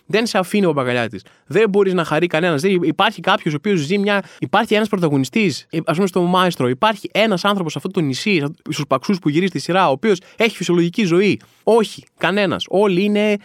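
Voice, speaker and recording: A man's voice: high voice, animated, hardly any pauses, no echo, studio quality. Sarcastic young man with a Trikala accent. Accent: Trikala Greek. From Trikala, Greece. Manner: sarcastic, ranting, exaggerating for laughs. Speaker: podcast host and stand-up comedian. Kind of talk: comedic podcast monologue.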